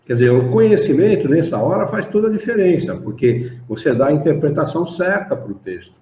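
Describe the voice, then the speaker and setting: Lively Brazilian man teaching a study class. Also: fairly high pitch, fairly quick. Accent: Brazilian Portuguese. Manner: explanatory, rhetorical questions, frequent "né?". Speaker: study group leader. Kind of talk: spiritist study class explanation. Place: meeting room of a study association. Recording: roomy, dull lo-fi room recording.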